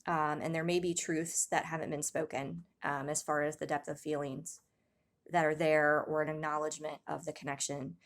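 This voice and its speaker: A woman with a low voice reads tarot cards for her viewers in a soft, hesitant way. She pauses often and restarts her sentences. Her throat sounds slightly raspy. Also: little pitch movement. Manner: soft-spoken, hesitant, many ums and restarts, gasps in awe. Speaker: tarot reader. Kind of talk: casual spiritual tarot reading to viewers.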